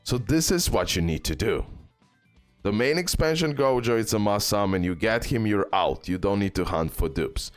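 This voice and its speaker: A man's voice: on the low side, lively intonation, moderate pace. A man giving casual gaming advice in an emphatic, repetitive way, often checking in with a short questioning tag. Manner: emphatic, repetitive, ends points with "okay?". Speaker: game video creator. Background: music.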